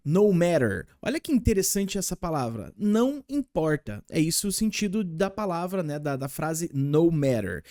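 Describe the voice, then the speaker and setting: A man's voice: on the high side, big pitch swings, normal speed, hardly any pauses, mellow, no room sound, studio quality, faint music behind. A man with a Brazilian Portuguese accent teaching English in a casual, chatty and enthusiastic way, talking straight to his viewers. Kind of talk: casual online lesson.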